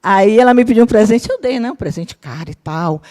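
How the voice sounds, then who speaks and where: Animated woman lecturer telling family stories. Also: mid-range voice, a little fast. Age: around 50. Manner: lively, keeps checking in with listeners, acts out quoted family members. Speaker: spiritist course lecturer and psychologist. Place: lecture room with a live audience.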